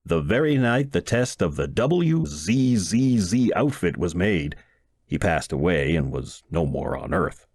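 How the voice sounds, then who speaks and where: A man reading a first-person short story aloud as an audiobook narrator, in an expressive, folksy storytelling manner. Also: low voice, a little slow, husky, dry recording, studio quality.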